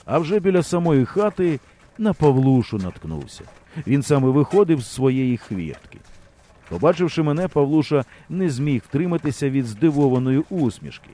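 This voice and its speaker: A man reading an audiobook in an expressive storyteller's way. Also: mid-range voice. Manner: lively storyteller's delivery. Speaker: audiobook narrator.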